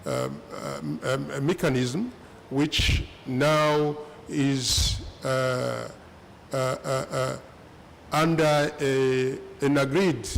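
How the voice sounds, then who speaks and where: A man from the African Great Lakes region gives a panel answer in a gravelly voice that sits a little high for a man. He talks haltingly, with many pauses, fillers and restarts. Faint noise runs under the recording. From East Africa, Great Lakes region.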